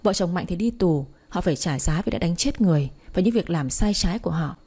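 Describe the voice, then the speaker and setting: A woman narrating a family drama story in a steady voice, hosting her own storytelling channel. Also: on the low side, fast, slightly rough.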